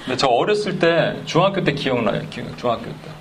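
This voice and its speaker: A man preaching a sermon, animated and chuckling as he tells stories and acts out dialogues. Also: mid-range voice, a little fast, a little hiss or hum, poor audio. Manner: chuckles while telling stories. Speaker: pastor.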